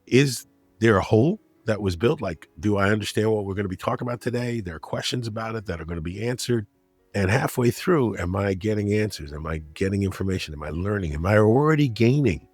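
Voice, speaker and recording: Male interview guest, very low and husky, explanatory and conversational, dry sound. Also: no echo. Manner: explanatory, uses examples and rhetorical questions. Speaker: guest, media critic and broadcaster. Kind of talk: conversational interview, giving advice.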